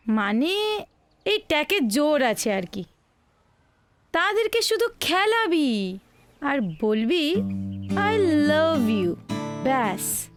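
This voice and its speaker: Here is a knowing, teasing college girl, talking in a high, lively voice. She lectures slowly, sure of her own experience. A film score plays clearly behind her. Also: full character voice. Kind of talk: Bengali film dialogue. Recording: film soundtrack with music behind. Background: music score.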